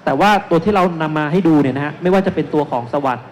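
Higher-voiced man presenting at an investment seminar. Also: very fast. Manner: explanatory, punctuates points with polite particles. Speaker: securities analyst, panel speaker. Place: stage at a shopping mall expo, indoors. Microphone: handheld microphone. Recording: noisy live event sound.

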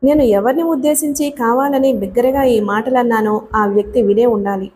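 A woman reading a novel aloud as an audiobook narrator, in a steady, expressive first-person telling. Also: on the high side, moderate pace, slight background noise.

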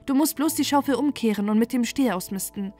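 A woman's voice: on the high side, brisk, dark tone, soft background music, lightly acted. A woman voicing a kind, worried young princess in a fairy tale, urgent and earnest as she gives advice.

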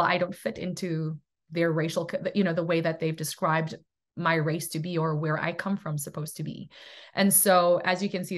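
A middle-aged woman from South Africa giving a recorded lecture from home over webcam, earnest and thoughtful, with many fillers and restarts. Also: on the low side. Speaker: presenter in a university research toolkit.

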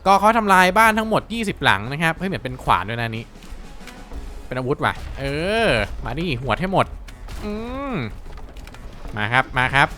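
A man hosting a let's-play, chatting excitedly and cheering himself on as he plays. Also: a little high, fairly quick, soft background music. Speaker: gaming channel host.

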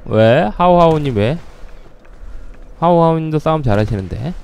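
A man's voice: on the high side, expressive, normal speed, gravelly, a little mellow, clear, resonant tone. A man giving casual, playful commentary over a game he is playing, laughing often and letting out sudden startled exclamations. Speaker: gameplay commentator.

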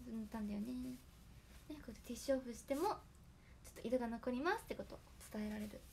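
A hoarse young woman chatting casually on her livestream, thanking viewers by name for their gifts. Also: a little high, expressive, very fast, a little hiss or hum. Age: young adult. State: hoarse after a nap. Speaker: idol livestreamer.

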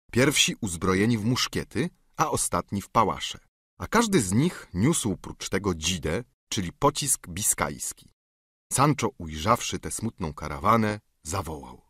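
A man narrating a classic novel as an audiobook, measured and steady. His voice is husky, and his pitch moves in lively swings. The recording is close and dry. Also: no echo. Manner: measured, storytelling. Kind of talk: scripted narration.

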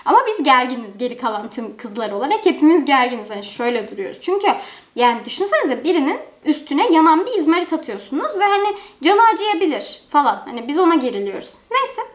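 A young adult woman telling a personal story to camera in a casual, animated, chatty way with many fillers. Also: high-pitched, fast. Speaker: storytime vlogger. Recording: roomy echo.

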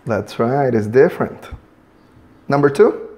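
A man's voice: mid-range voice, expressive, measured pace, warm tone. A man teaching an English class, patiently drilling a student with prompts and switching between two languages.

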